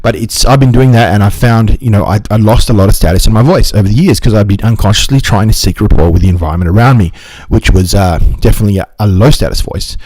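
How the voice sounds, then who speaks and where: Speaking quickly and earnestly to camera, a book review channel host frequently restarts his sentences in a casual way. His fairly low voice is a little mellow with a breathy edge, and the audio is dry and poor.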